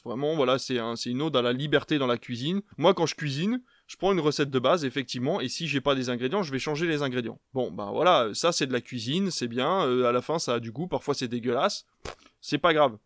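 A young man from Belgium, co-hosting a casual film podcast, thinks out loud with frequent hesitations and restarts. His voice sits at a middle pitch, recorded dry and close with no room sound. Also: no room sound. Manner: hesitant, many restarts and fillers. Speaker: podcast co-host.

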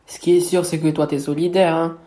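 A man co-hosts a radio show about words, reading his scripted part and playfully teasing his partner in the banter. His voice is a little high and warm, with a level tone and brisk delivery.

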